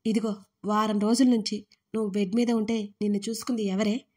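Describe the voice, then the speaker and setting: A woman's voice: medium pitch, level tone, fairly quick, a little mellow, slightly rough, lightly acted. A woman voicing a blunt young female friend who scolds and insists in an audio story. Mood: scolding.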